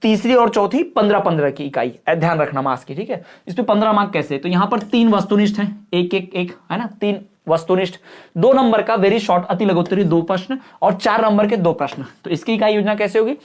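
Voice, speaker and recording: A woman teacher giving an exam-prep lecture, often asking if things are clear and adding up marks aloud. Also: medium pitch, brisk.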